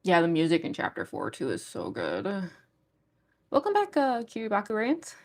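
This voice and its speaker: A young woman with a gruff voice that is going hoarse, chatting casually with viewers on a livestream in a rambling way full of fillers. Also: mid-range voice, huge pitch swings, normal speed. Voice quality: gruff, smoker-like voice. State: losing her voice. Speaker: livestream artist. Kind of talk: casual chat with stream viewers.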